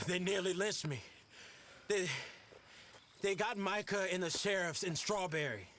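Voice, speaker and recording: A frantic, breathless young outlaw in a video game, his voice pushed high and sharp. He gasps out words in a rush. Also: animated, unhurried, slight background noise. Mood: panicked. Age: young adult.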